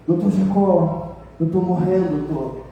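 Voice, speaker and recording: A man with a Brazilian accent voicing a dying, repentant old former drunk who pleads slowly. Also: sits high, steady tone, highs cut off, close to an everyday voice. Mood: pleading. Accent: Brazilian Portuguese. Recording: echoey hall, voice from far off.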